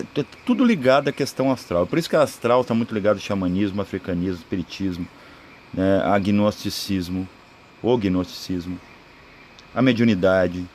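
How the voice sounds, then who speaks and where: A man's voice: medium pitch, darkish tone, slight background noise. A man with a Brazilian accent giving informal esoteric teaching in a rambling, explanatory way, often adding checking tags. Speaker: spiritual video creator.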